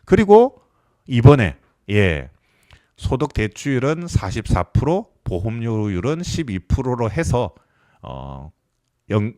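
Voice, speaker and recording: Man in his 50s lecturing, pitch jumps around a lot, kinda low voice, dry close sound. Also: darkish tone, no echo. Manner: explanatory, asks the audience questions. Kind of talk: live lecture on pension reform.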